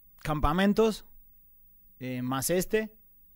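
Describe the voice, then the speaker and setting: A man talks at a very slow pace with lively intonation. The recording is very clean, with a silent background. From Argentina. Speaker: mixed martial arts fighter. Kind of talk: casual interview. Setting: studio.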